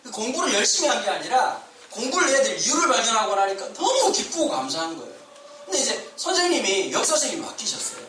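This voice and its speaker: In an echoey church sanctuary, picked up by a distant mic over crowd noise, a pastor delivers a sermon full of animated stories. He acts out quotations in a very high, fast voice.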